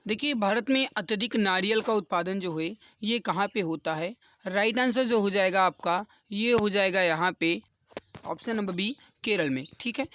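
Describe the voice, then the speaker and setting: A man's voice: sits high, bright, forceful tone. A man explaining quiz questions as an exam coaching teacher, repeating key answers for emphasis.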